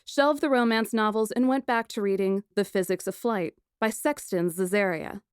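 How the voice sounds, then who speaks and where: A woman playing a plucky, sarcastic kidnapped young woman who narrates her ordeal in a first-person audiobook, wry and expressive. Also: mid-range voice, moderate pace, clean tone, no echo, studio quality, lightly acted.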